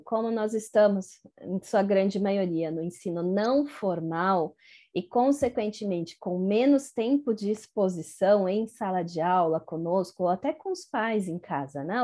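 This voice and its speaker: Woman lecturer, mellow tone, patient explainer who keeps checking the class follows, video-call sound. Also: medium pitch. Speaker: teacher trainer. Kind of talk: online lecture to teachers. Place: home office in Germany.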